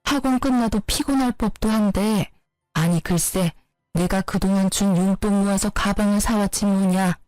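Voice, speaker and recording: A woman voicing an excited, gushing mother. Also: mid-range voice, dry recording, faint music behind, lightly acted, rough recording. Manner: rapid-fire gushing talk. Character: excited chatty middle-aged mother.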